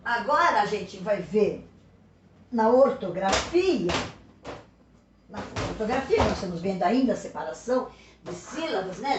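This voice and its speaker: A woman with a Brazilian Portuguese accent, a teacher giving a recorded remote school lesson. She talks patiently, checks in often with short questions, and stretches example words out slowly. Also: medium pitch, echoey room.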